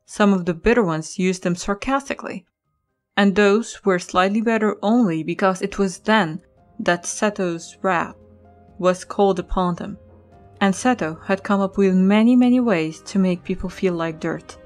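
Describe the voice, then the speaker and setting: A woman's voice: medium pitch, moderate pace. Woman narrating a story over music.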